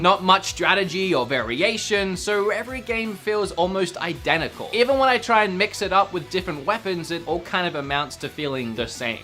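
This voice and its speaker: A game channel host talks through free games in a casual, excitable review, joking along the way. The pitch swings widely from line to line, and soft music plays faintly underneath.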